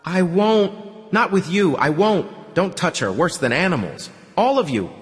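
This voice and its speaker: A man's voice: sits high, sing-song, unhurried, in a large hall, pitched above the performer's own voice. A man doing a defiant, outraged young man.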